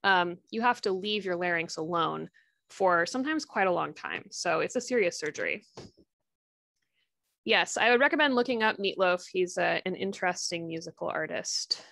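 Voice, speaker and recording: A woman's voice: lowish voice, moderate pace, gravelly, a bit bright, no echo, clean studio sound. A woman giving a recorded histology lecture, chatty and upbeat, with jokey asides and frequent ums.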